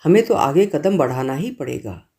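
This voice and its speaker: A man voicing an earnest young man in a storybook reading who gently coaxes and persuades. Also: fairly high pitch, expressive, normal speed, vocal fry.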